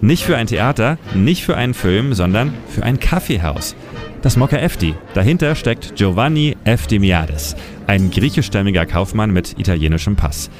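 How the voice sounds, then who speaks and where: A man reading a scripted history feature in a measured storytelling manner. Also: fairly low pitch, animated. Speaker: narrator. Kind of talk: scripted documentary narration. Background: music.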